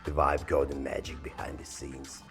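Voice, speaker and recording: A man giving a casual, rambling software review, thinking aloud in a hesitant and sardonic way as he goes. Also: extremely low pitch, completely flat delivery, normal speed, soft background music. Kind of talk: casual screen-recorded review commentary.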